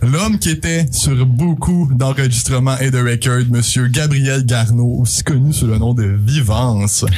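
Hardly pausing, a man with a medium pitch talks at a fairly slow pace amid audible room echo and noticeable background noise. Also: ordinary pitch variation, very even loudness. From Quebec, Saint-Jean-sur-Richelieu. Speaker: rapper. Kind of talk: interview. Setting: studio.

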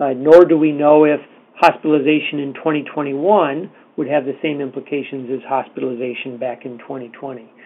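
A man speaks in a fairly high pitched voice. His pace is fairly slow, with an ordinary speaking voice. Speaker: hematologist-oncologist physician. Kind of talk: webinar presentation.

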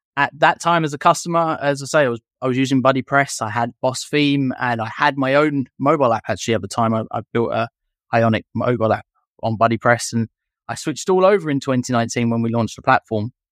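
Very fast speech from a man at medium pitch, ordinary pitch variation, dry, close sound with no echo. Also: very clean recording, silent background. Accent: English. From England. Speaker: managing director of a software company. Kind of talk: podcast interview.

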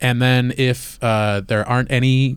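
A man speaks at a medium pitch with an American accent, using a normal speaking voice. His pace is fairly slow. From Chicago area. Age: 40s. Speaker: stand-up comedian.

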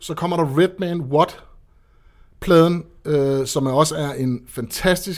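This is a man with a fairly high pitch. He has an unremarkable speaking voice and fairly even intonation. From Denmark, Copenhagen suburb. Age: middle-aged. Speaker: podcast host. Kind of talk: casual chat.

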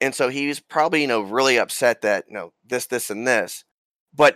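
A man speaks in a plain, everyday voice at medium pitch with ordinary pitch variation, the sound dry and close with no echo on a very clean recording with a silent background. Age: 50s. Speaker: podcast guest, book fan. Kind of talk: casual chat.

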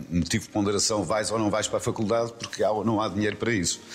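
This man has a fairly low pitch and fairly even intonation. He talks at a very fast pace. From Portugal, Ribatejo. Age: 60s. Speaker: actor. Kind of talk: interview. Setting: outdoors.

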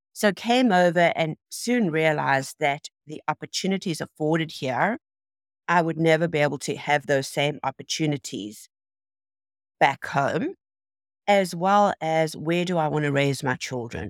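In a South African accent, a woman with a very deep, low pitch talks at a fairly slow pace with lively intonation, in a very clean recording with a silent background and a dry, close sound with no echo. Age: 50s. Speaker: healthcare executive. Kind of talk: interview.

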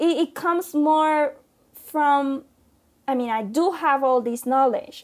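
A woman with a Spanish accent speaks at a high pitch with ordinary pitch variation. Her pace is very slow. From Puerto Rico, Rio Grande. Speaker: journalist. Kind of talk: casual chat.

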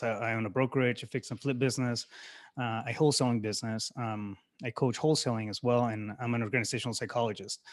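A man with an American accent, a very fast pace and monotone, flat intonation, in a very clean recording with a silent background. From US Southwest, Yuma, Arizona. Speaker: business coach and organizational psychologist. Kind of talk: interview. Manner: halting, many fillers.

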